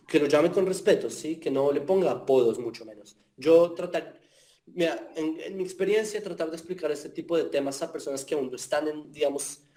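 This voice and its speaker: A man's voice: fairly high pitch, dark tone. Patient man teaching over a video call. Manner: patient, explanatory, frequent tag questions. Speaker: teacher of Jewish philosophy. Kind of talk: online class answering questions.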